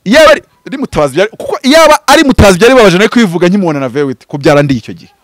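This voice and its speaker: A man in his thirties from Rwanda, a pastor speaking in an impassioned, preaching style, swinging from loud bursts to low murmurs. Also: big pitch swings, very fast, no room sound. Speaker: pastor and prophet. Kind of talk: animated preaching-style interview talk. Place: outdoors before green foliage. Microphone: handheld mic held close.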